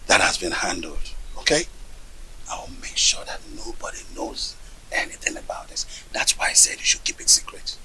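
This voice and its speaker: An actor playing a scheming man who plots in hushed, conspiratorial tones. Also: low-pitched, big pitch swings, normal speed, heavily acted, low-quality recording. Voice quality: whispering, conspiratorial. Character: scheming man plotting around a king's bride.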